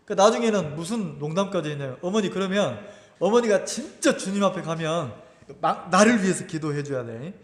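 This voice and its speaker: A man's voice: sits high, lively intonation, a little fast, reverberant, long reverb tail. A middle-aged male pastor giving a sermon, telling a personal story with emotion and acting out the voices of his mother and himself. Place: church sanctuary.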